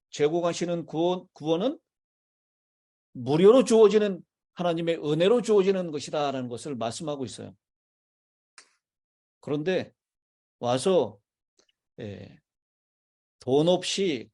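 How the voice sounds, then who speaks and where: A man's voice: a little high, mellow. A man, a pastor, preaching a sermon in a church and putting questions to his congregation. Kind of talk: sermon with congregation call-and-response. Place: church sanctuary.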